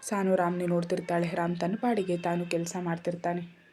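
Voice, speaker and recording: Woman narrating a story in a flat voice. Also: on the low side, a little fast. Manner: steady, even reading.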